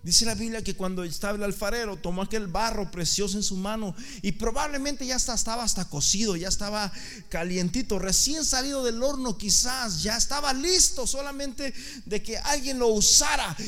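A man preaching a sermon in an impassioned way, repeating words and building up to shouts. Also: very high voice, normal speed.

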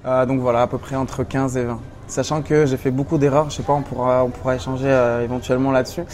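A man's voice: mid-range voice, little pitch movement, quick pace, a little mellow. A young man from Morocco, guest in a casual interview at a seminar, answering in a hesitant, easygoing way with many fillers. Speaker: guest blogger. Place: seminar venue.

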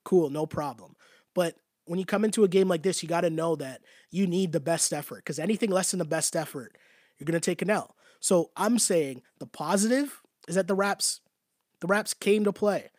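A man's voice: high-pitched, normal speed, darkish tone, no room sound, clean studio sound. A man losing his voice, hosting a casual basketball talk show and answering his live chat in a chatty way, often tagging his points with "right?". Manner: conversational, repetitive, often asks "right?".

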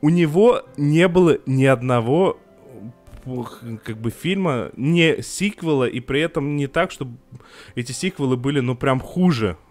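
Hesitant, excitable young man, faint music. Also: mid-range voice, unhurried. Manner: hesitant and emotional, with frequent restarts and filler sounds. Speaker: podcast co-host reviewing TV series. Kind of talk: casual podcast discussion.

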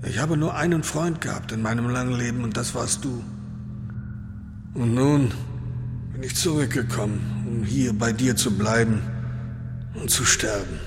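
A man's voice: medium pitch, music in the background, close to an everyday voice. A man voicing a weary old white-haired horse. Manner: weary, soft and slow.

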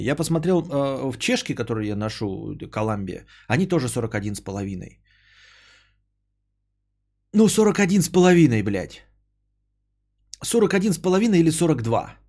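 A man's voice: mid-range voice, darkish tone, slightly rough. A man hosting a podcast, chatting casually with his live chat in a rambling, profane, worked-up way.

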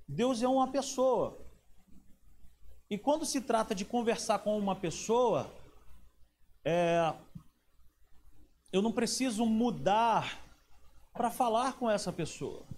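A man's voice: high-pitched, a little mellow. A man preaching a sermon in a conversational way, often asking the audience questions.

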